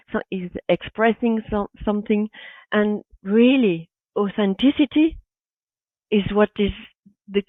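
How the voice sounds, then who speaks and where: A woman's voice: mid-range voice, no echo. A woman guest on a podcast, answering enthusiastically in short, emphatic phrases over a remote call. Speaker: guest, artist and bag designer. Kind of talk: interview answers. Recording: tinny dry call audio.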